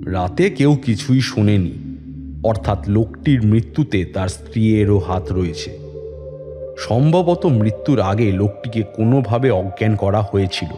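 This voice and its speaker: A man narrating a detective story in the first person and voicing the police inspector with a measured, authoritative manner. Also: fairly low pitch, expressive. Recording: long reverb with music bed.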